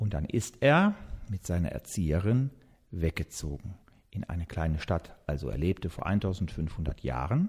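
A man talks at a fairly slow pace in a very deep, low pitch. His voice is somewhat breathy, with lively intonation. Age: 50s. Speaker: parish priest. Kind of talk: explaining to children. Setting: parish hall.

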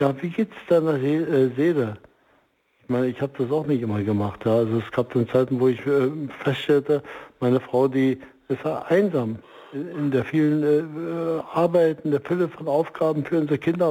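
Using an ordinary speaking voice, a man talks at a fairly high pitch and a moderate pace with ordinary pitch variation. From East Germany. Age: 60s. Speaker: marriage counselor and coach. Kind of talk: radio interview. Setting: remote line from home.

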